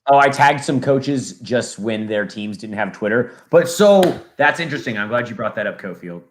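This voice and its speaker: A man's voice: mid-range voice, expressive, normal speed. A young man with a Southern California accent, a play-by-play announcer chatting on a podcast, rambling with lots of fillers and restarts. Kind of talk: casual podcast chat.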